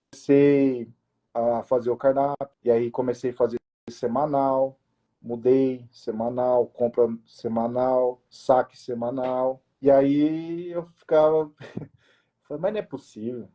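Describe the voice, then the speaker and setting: Young restaurant owner, male, mellow warm voice, informal storyteller. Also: medium pitch. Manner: informal, full of restarts and quoted self-talk. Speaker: restaurant owner, interview guest. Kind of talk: casual emotional storytelling.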